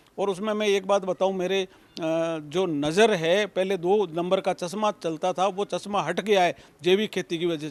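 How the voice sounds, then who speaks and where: Heard in a dry, close sound with no echo, a man speaks at a high pitch with fairly even intonation. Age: 70s. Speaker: organic farmer. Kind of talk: interview testimony. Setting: agricultural science centre. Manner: halting, with fillers.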